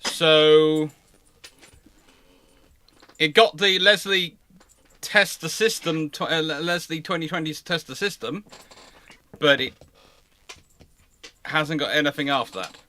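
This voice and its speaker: A man with a fairly high, very bright voice hosts a casual livestream. He rambles along informally, often doubling back and repeating his phrases. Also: slow, pauses often, dry recording. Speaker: livestream host.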